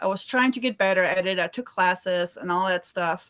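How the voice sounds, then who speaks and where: A woman's medium-pitched voice with a slight German accent and fairly even intonation. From Germany. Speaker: author. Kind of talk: interview. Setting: live stream.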